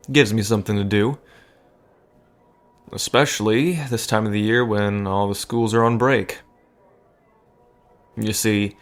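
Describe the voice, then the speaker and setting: A gentle bartender acted by a man with a slightly low voice. He is nervous and earnest, rambling softly and hesitantly as if speaking right to the listener in an audio drama. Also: lightly acted. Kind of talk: intimate audio drama acting addressed to listener.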